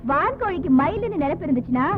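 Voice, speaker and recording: A woman in a Tamil film comedy, trading sharp, scolding retorts. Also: high-pitched, expressive, rapid-fire, phone-quality sound.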